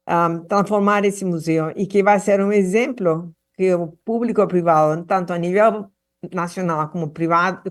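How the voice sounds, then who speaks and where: A woman from Argentina speaking Portuguese, giving an earnest address to a public hearing over a remote link, halting with frequent restarts and fillers. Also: fairly low pitch. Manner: passionate, earnest.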